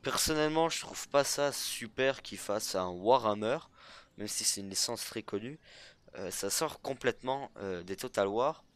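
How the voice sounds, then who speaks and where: Un homme qui commente sa partie de jeu de stratégie sur un ton décontracté, en hésitant beaucoup avec des « euh ». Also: male voice, fairly low pitch, animated, normal speed, fairly bright tone, smooth. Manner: hesitant, full of euh fillers. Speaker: gaming YouTuber. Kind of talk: casual let's play commentary.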